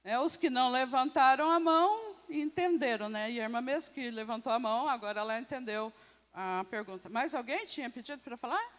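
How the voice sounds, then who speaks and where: A Brazilian woman with a fairly high voice leads a Sunday school class. She keeps questioning the group, tacking a quick tag onto her sentences. Her microphone rings with the long reverb of a church hall. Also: fairly bright tone. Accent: Brazilian Portuguese. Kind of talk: teaching a Bible class.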